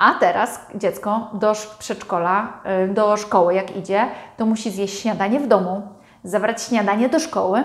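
A woman speaks at a moderate pace with fairly even intonation. The room echo is audible, and the background is quiet. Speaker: dietitian vlogger. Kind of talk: casual vlog chat. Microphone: lapel.

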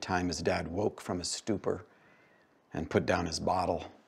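This is a man talking. His pace is moderate. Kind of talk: reading aloud then personal reflection. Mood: calm, reflective, some laughter. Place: home room.

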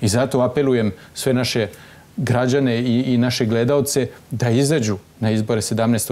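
A man talks with fairly even intonation. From France. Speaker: humanitarian and election candidate; election candidate. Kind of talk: TV interview. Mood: earnest, persuasive. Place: studio. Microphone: lapel.

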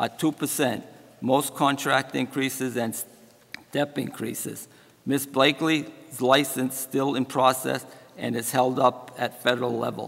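The pace is fairly slow. Intonation stays flat and monotone throughout. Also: man. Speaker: council member giving subcommittee report. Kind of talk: reading meeting minutes. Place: hall. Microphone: podium.

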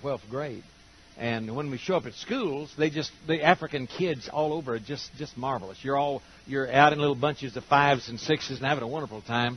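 At a fairly quick pace, a man speaks with ordinary pitch variation in a dry sound with no echo. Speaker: preacher. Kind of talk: sermon. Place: church.

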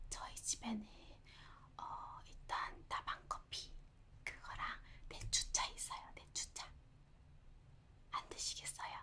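Whispering comes at a very slow pace in a gentle tone. Long pauses break it up often. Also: woman. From Korea. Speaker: ASMR creator. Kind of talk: ASMR role-play, hair salon. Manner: soft-spoken, gentle.

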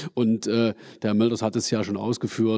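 A man's voice, dark and mellow in tone, sounds against a quiet background. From Thuringia, Germany (Ilmenau); Thuringia, Germany. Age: 40s. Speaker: politician. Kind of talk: panel debate. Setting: lecture hall with audience. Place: hall. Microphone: handheld.

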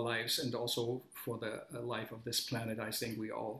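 A man with vocal fry at a moderate pace, audible room echo over a quiet background. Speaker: talk series host. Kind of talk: introductory remarks. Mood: earnest, reflective.

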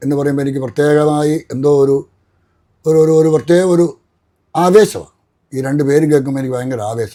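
A man's fairly high voice with a dark, mellow tone. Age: 70s. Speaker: local Congress politician. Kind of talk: interview.

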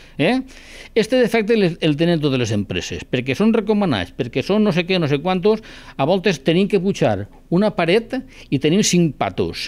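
With a Valencian accent, a man speaks at a moderate pace and a high pitch, his pitch swinging very widely while his loudness stays very even. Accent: Valencian Catalan. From Valencia region, Alzira; Valencia region. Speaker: retired company director; interviewee. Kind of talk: interview. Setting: at his home. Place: home room. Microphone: handheld.

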